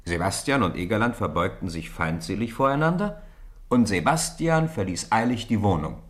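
A man's voice: on the low side, moderate pace. A man narrating a children's radio play as a scripted, theatrical storyteller. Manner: theatrical, animated delivery.

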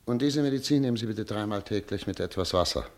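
An actor playing a composed, brisk professor of medicine, courteous but guarded, in a German radio play. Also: male voice, on the low side, a little mellow, lightly acted.

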